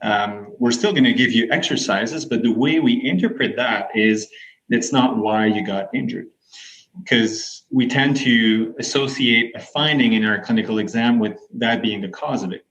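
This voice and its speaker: A man's voice: mid-range voice, normal speed, fairly bright tone, a little hiss or hum. A man, a physiotherapist and researcher, explaining his ideas fluently and evenly as a guest in a podcast interview. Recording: dull lo-fi audio.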